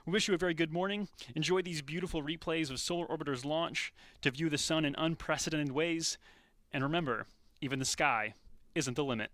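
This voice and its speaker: A man's voice: on the high side, fairly quick, fairly bright tone, dry recording. A man anchoring a live broadcast in a polished announcing style. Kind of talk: presenter sign-off to camera, polished announcing.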